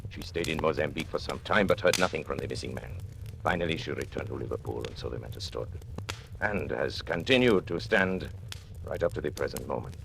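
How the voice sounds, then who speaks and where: A deep-voiced sneering blackmailer on an old radio show, mocking, faint hiss. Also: male voice, a little fast, vocal fry. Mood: calm. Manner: menacing, mocking, theatrical. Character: sinister male confidential agent turned blackmailer. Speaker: narrator. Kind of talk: 1940s radio acting.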